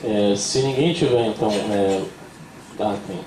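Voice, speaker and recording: A man's voice: fairly low pitch, a little slow. Casual Brazilian male moderator, echoey hall. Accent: Brazilian Portuguese. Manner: informal, brief, with fillers. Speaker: event moderator. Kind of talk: moderating a panel Q&A. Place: university auditorium. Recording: echoey hall, distant mic, audience and noise.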